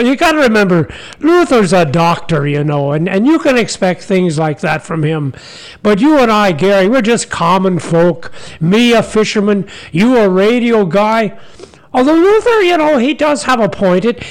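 An actor playing a humble, folksy fisherman apostle in a comic radio sketch, earnest and chatty, halting over his words. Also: sits high, expressive, poor audio. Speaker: guest character.

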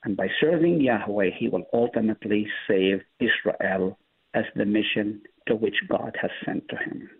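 A man's voice: on the low side, normal speed, vocal fry, breathy edge. A man from the Middle East, a native Hebrew speaker, speaking as a guest pastor and explaining scripture emphatically. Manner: emphatic, explaining with rising stress. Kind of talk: Bible study discussion. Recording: tinny phone-line audio.

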